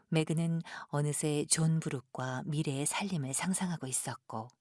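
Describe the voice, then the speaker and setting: A woman narrates a literary story in a notably low register. Her voice is breathy and husky, with measured, dramatic phrasing. The sound is dry and close. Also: darkish tone, no echo.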